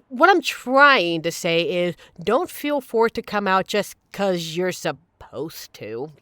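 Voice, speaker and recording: A woman's voice: mid-range voice, fairly bright tone, no room sound. A woman playing a supportive, playful young queer friend in an audio roleplay, talking casually and earnestly to reassure the listener. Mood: gentle, reassuring.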